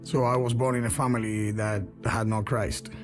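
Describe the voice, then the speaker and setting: A man's voice: fairly low pitch, flat delivery, normal speed, over music. A man from Cuba in his fifties, a truck driver, earnestly telling his testimony. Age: 50s.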